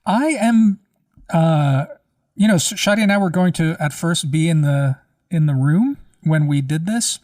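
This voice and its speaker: Slightly hoarse man, fairly high voice. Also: lively intonation, unhurried, a little mellow, dry recording, clean studio sound, recorded from a distance. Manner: rambling, restarts often. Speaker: podcast co-host. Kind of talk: casual conversation. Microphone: very close to the microphone.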